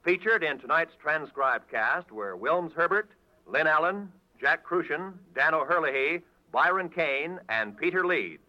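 A man announcing credits in formal, clearly phrased 1940s radio style. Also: fairly high pitch, animated, a little slow, pushed and bright. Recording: muffled vintage radio recording.

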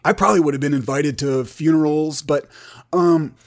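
A man playing an earnest, prudish Christian metal singer with a gravelly voice, rambling and oversharing in an improvised comedy interview. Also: a little high, moderate pace, natural voice. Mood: earnest, disapproving. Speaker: comedy podcast guest in character.

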